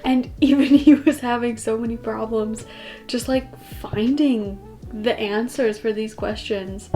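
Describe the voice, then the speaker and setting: A young woman from Canada chats to her vlog camera with a slightly high voice. She rambles easily, dropping fillers and small laughs. Soft music plays underneath. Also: steady tone, measured pace. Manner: chatty, filler-heavy, laughs often. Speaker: vlogger. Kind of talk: casual vlog talk to camera.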